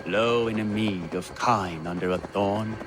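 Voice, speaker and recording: An actor playing a pious, sharp-tongued Christian priest in a video game, solemn, preachy and dryly sardonic. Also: male voice, fairly low pitch, measured pace, close to an everyday voice. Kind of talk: dramatic medieval video game dialogue.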